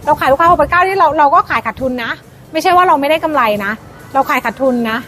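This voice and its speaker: Female live seller, high voice, insistent hype with repeated selling lines, slight background noise. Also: fast, fairly bright tone. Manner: insistent, repeats phrases emphatically. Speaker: live-stream clothing seller. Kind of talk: fast hype live-sale pitch, casual. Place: shop front, camera moved toward outside.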